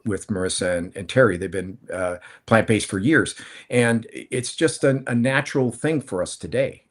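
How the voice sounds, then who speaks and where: A man in his fifties, a guest on a panel, telling his story in a rambling, conversational way with many restarts. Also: on the low side. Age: 50s. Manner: rambling, conversational, frequent restarts and self-corrections. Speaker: panel guest, plant-based food entrepreneur. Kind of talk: casual panel chat.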